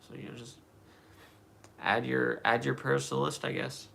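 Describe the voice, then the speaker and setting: A man's voice: mid-range voice, little pitch movement, normal speed, gravelly, bright, forceful tone. A man hosting a livestream, chatting casually and answering comments, rambling with many fillers and restarts. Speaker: livestream host answering chat.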